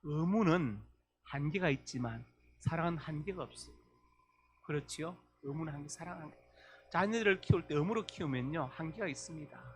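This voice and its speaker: A male pastor delivers a Sunday sermon in a church, his voice sitting a little high for a man. He tells stories animatedly and slips into the voices of the people he quotes. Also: a little fast. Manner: storytelling, acting out quoted dialogue with rising emotion. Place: church sanctuary.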